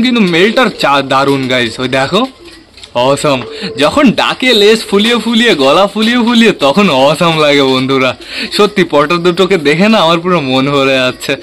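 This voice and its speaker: Bird-keeping vlogger, man from West Bengal, high voice, chatty, faint outdoor noise. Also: fairly bright tone. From West Bengal, India. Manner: chatty, calls out to birds. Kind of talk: casual vlog narration. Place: outdoors at home pigeon loft.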